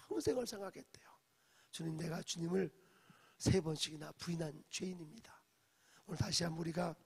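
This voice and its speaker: A man's voice: high voice, gravelly, a little mellow, slightly rough. A male pastor giving a dawn service sermon, telling the story, asking the congregation questions and dropping in English phrases. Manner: acts out quoted speech, drops in English phrases. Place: church sanctuary. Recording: echoey church hall.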